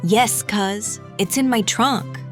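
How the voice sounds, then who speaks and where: A woman's voice: medium pitch, slow, soft background music, close to an everyday voice. A woman playing a loyal, laid-back teenage Latina cousin in an audio drama. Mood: reassuring. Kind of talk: audio fiction drama acting.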